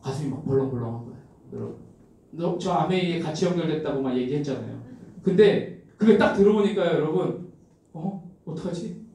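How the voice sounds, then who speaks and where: A middle-aged man giving a motivational seminar talk, telling stories in an animated way and speaking straight to the audience. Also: fairly high pitch, fast. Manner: animated storytelling, addressing the audience directly. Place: large seminar hall. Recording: very echoey hall, distant mic.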